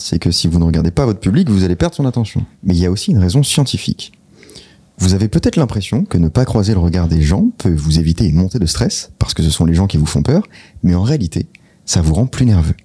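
A man co-hosting a podcast in casual chat, teasing with deadpan self-mockery and reading out notes. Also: low voice, breathy edge. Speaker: podcast co-host.

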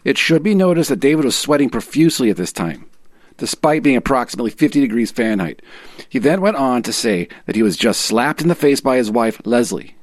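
A man's voice: mid-range voice, animated, fairly quick, dry recording, natural voice. A man voicing a clichéd movie cop with an exaggerated northeastern US accent, formally reading out a police report in a dramatic reading. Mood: official, matter-of-fact. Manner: formal, procedural, matter-of-fact.

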